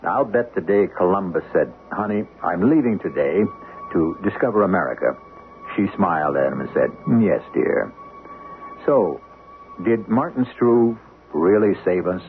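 A man hosting a radio mystery series with theatrical scripted narration, wry and philosophical in his deliberate phrasing. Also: low-pitched, lively intonation, slight background noise. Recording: tinny radio broadcast with music.

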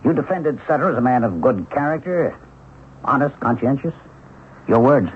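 An actor playing a courteous, quietly persistent police lieutenant in a 1970s radio drama, measured and informal. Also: male voice, medium pitch, animated, natural voice. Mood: probing. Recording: tinny old radio recording, faint noise.

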